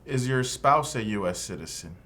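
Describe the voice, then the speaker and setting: In a scripted practice dialogue, a man plays an immigration officer running an interview. He asks one formal question after another, neutral and even, at a mid pitch for a man and at normal speed.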